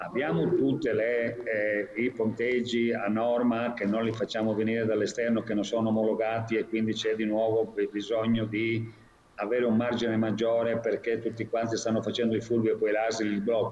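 A man speaks in a monotone with flat intonation and very even loudness. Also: moderate pace. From Sardinia. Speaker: condominium administrators' association president, engineer. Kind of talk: TV interview. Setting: TV studio. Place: office. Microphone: video call.

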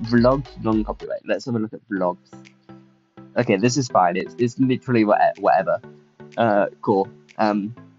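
A man keeps a moderate pace while music sounds in the background. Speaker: mobile game streamer. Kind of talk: casual livestream chat.

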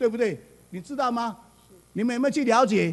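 A man speaks in a high pitch. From Taiwan. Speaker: city councillor. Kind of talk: council interpellation. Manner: halting. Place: hall.

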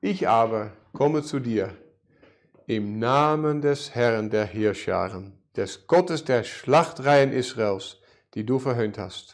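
A man speaks at a very slow pace with lively intonation against a quiet background. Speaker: pastor. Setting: church. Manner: earnest, measured and didactic, narrating the David and Goliath story plainly. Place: church.

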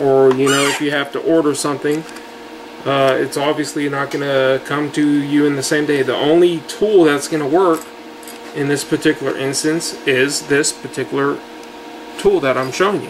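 Noticeable background noise behind a man at a moderate pace, his intonation fairly even. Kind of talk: tutorial. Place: workshop. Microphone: camera far.

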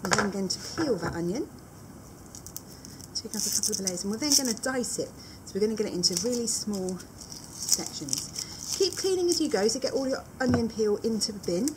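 A woman's speech comes at a fairly quick pace. Background noise is noticeable throughout. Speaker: cookery teacher. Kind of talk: tutorial. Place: classroom.

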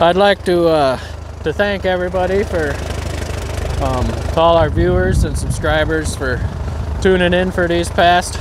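A man at a fairly slow pace in a dry sound with no echo, with noticeable background noise. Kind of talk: casual explanation to viewers. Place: farm machine.

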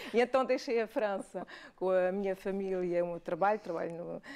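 Speaking at a fairly quick pace, a woman with a dark, mellow tone keeps a medium pitch and ordinary pitch variation. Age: 60s. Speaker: caregiver association founder; guest. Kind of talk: talk show interview. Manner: halting. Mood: earnest, emotional story. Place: studio. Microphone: lapel.

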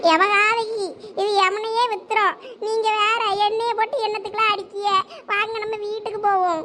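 A woman's put-on character voice at an extremely high pitch, fairly slow and delivered in a monotone, flat intonation. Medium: voice reel. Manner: grumbling, comic.

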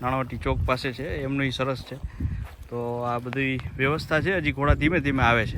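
Noticeable background noise sits behind a man whose medium pitch and intonation stay fairly even. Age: 20s. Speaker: horse vlogger. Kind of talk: vlog narration.

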